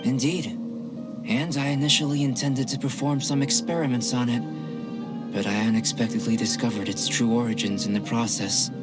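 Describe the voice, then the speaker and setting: Actor for a calm, analytical young alchemist: formal, even delivery, music underneath. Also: male voice, mid-range voice, normal speed, close to an everyday voice. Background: game music.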